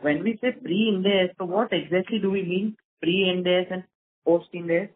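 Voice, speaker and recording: High-pitched Indian man on a phone line. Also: fairly even intonation, moderate pace, slightly rough. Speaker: analyst asking questions on an earnings call. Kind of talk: business question and answer. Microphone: telephone conference call. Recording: narrow tinny phone line.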